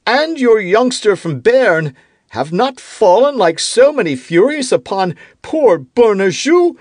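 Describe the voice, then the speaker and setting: A man voicing a fretful, self-pitying king who turns irritable and accusing, with a high, whiny, petulant voice in an audiobook. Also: no room sound, studio quality, full character voice. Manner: rising into indignant outbursts. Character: fretful, self-pitying middle-aged king, quick to anger. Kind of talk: audiobook character reading.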